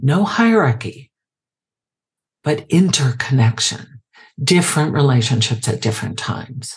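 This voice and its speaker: Lively intonation marks this woman's very deep, low voice. She is somewhat breathy and goes at a fairly slow pace with long, frequent pauses. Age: 60s. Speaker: life coach and institute founder. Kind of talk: casual chat.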